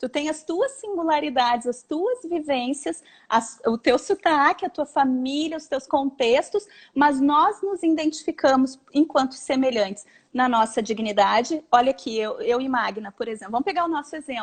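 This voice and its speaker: With a strong Porto Alegre accent, a woman speaks at a high pitch with lively intonation. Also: moderate pace. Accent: strong gaúcho Porto Alegre. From Brazil, Porto Alegre (Rio Grande do Sul). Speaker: theology doctoral researcher and educator. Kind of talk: live online talk on philosophy. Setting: video livestream.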